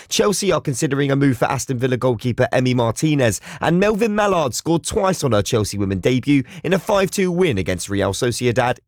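A man reading scripted sports news on radio in a measured, formal way. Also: medium pitch, no room sound, studio quality. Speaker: newsreader.

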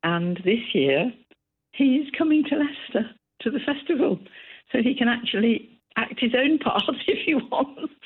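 A woman's voice: fairly high pitch, lively intonation, normal speed, slightly rough. A woman calling in to a radio show over the phone, a cheeky and giggly storyteller who performs comic material. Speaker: caller, performer. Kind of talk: phone-in chat. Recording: tinny phone line.

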